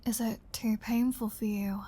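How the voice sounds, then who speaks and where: A woman playing a flirty, predatory vampire in an intimate ASMR roleplay, teasing and dominant, often dropping into a breathy whisper. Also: on the high side, little pitch movement, a little slow, mellow. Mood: taunting, playful. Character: flirty, predatory female vampire toying with a hunter.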